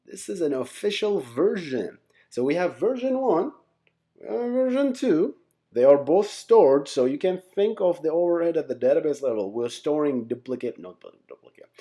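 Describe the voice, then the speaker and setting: A man presents an informal software lesson in a conversational way. His pitch moves around a lot, giving an animated delivery, while the tone stays relaxed and mellow. He often tags his points with quick check-ins to the listeners. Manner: conversational, often checks in with "right?", "okay?", "guys". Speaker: software engineering instructor, channel host.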